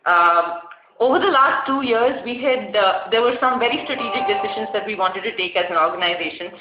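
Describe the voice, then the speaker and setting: A woman's voice: medium pitch, a little fast. An Indian-accented woman speaks as a company executive on a conference call. Her voice is a little muffled behind a face mask. The line sounds dull and roomy, with noticeable echo. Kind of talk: prepared remarks on an earnings conference call.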